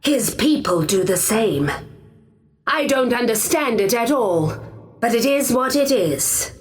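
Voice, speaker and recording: A woman playing a plainspoken tribal character who recounts beliefs in a deliberate, matter-of-fact way for a game. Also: fairly high pitch, very animated. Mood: matter-of-fact, puzzled. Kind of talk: scripted in-character lore narration.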